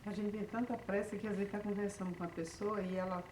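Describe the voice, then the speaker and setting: A woman in a Bible study group jumping in quickly with her own point. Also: mid-range voice, little pitch movement, darkish tone. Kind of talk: casual group discussion. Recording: distant mic in an echoey room with faint noise.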